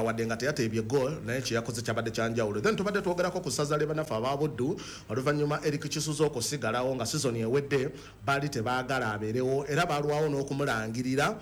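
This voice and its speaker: Male football presenter, Ugandan accent, brisk delivery, English phrases mixed in, slight background noise. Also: medium pitch. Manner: mixes in English words and phrases. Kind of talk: sports discussion.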